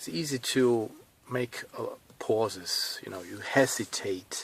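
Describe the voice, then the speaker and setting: A man with a non-native accent speaks at a very slow pace and a medium pitch. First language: Swedish. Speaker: vlogger. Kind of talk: vlog tutorial. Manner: halting, many hesitations.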